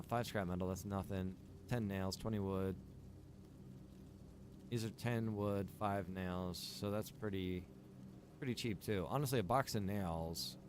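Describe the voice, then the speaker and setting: A man livestreaming a survival roleplay game, chatting casually and informally as he thinks out loud. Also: deep voice, noisy background. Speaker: game livestreamer and server developer.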